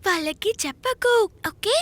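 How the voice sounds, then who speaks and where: A woman's voice: very high voice, animated, normal speed, fairly bright tone, no room sound. A woman voicing an eager, encouraging young child in a children's cartoon, speaking in simple exclamations. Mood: busy, insistent. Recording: children's music behind the voice.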